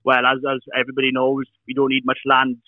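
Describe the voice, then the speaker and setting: A man's voice: medium pitch, fast, no echo. Welsh man on a tinny call line. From Wales. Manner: relaxed storytelling with frequent repeats. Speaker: beekeeper guest. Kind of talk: casual interview over a call. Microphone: remote call.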